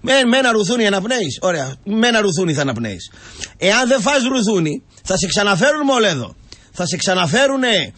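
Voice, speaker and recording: Ranting high-voiced man on radio. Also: big pitch swings, fairly bright tone, husky. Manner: ranting, mocking, keeps cutting in. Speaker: football pundit, show host. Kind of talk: heated comic sports rant.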